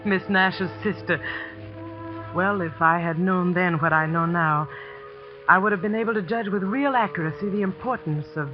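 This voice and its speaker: An actress playing a spirited young female teacher who narrates her story in a 1940s radio drama, brisk and indignant. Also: on the low side, close to an everyday voice. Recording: dull old radio broadcast with music.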